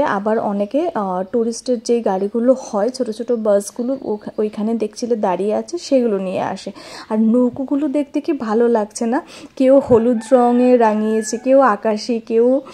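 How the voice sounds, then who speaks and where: A woman's voice: a little high, mellow. A woman chats familiarly to her viewers as she narrates a casual travel vlog. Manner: chatty, addresses viewers familiarly. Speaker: travel vlogger, host. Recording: clearly noisy outdoor ambience. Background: ambient noise.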